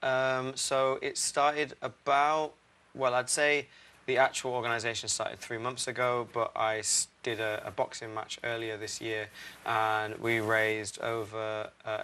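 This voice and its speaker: A young man from Barbados, founder of a charity, answering interview questions earnestly with many "uh" pauses. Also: on the low side, bright, forceful tone. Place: TV studio.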